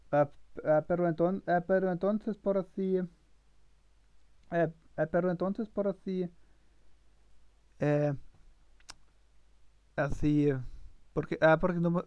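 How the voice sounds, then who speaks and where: Male streamer, slow and halting, clear but dull dry home-mic sound. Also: on the high side, no echo. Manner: halting, many fillers and restarts. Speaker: streamer learning languages. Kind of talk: live-streamed language practice.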